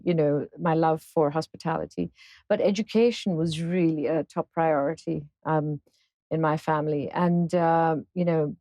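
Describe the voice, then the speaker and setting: Woman, fifties, from Singapore, lowish voice, reflective, halting, dry close sound. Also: mellow, no echo. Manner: thoughtful, many fillers and pauses. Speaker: interview guest, entrepreneur. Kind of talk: casual interview conversation.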